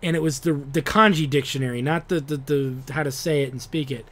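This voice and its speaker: A man's voice: fairly high pitch, fairly quick. A man, host of a retro game talk show, rambling in a casual monologue full of swearing and restarts. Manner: rambling, profane, restarts often.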